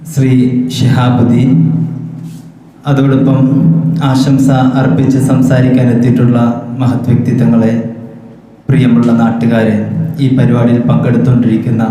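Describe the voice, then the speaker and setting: A man's voice: on the high side, warm tone. A man giving a formal public speech at a library event, telling stories in an oratorical way. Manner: oratorical storytelling. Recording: very echoey hall with long reverb.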